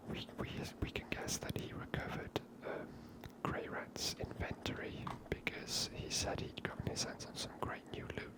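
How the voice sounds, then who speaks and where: A host giving casual, hushed and unhurried ASMR commentary on a game in a whisper. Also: rough recording.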